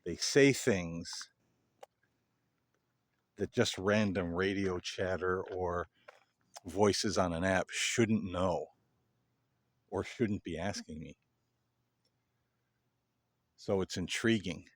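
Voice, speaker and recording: A man hosting a paranormal video, talking casually and earnestly to viewers in halting phrases. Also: deep voice. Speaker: paranormal investigator, video host. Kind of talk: casual explanatory monologue to viewers.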